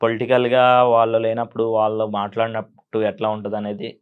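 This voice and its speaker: A man, a mimicry artist, answering interview questions in a soft, hesitant way with many fillers and frequent laughs. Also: fairly low pitch, monotone, a little fast, smooth, narrow, tinny audio. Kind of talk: casual interview chat.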